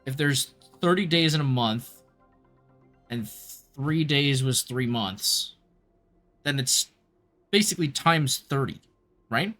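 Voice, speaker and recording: Low-voiced, animated woman streamer. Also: slow pace, pauses often. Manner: slangy, exclamatory, chatty. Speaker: VTuber game streamer. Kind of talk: casual live gameplay reactions and chat. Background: game music.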